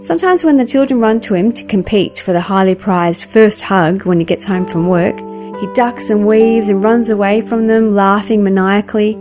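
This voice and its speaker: A woman's voice: mid-range voice, moderate pace, music in the background. A woman presents a scripted radio parenting segment in a wry, storytelling tone.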